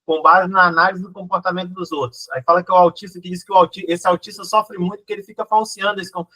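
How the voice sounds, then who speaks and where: A man in casual conversation, talking in a quick, animated way and explaining his points with examples. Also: high voice, rough recording.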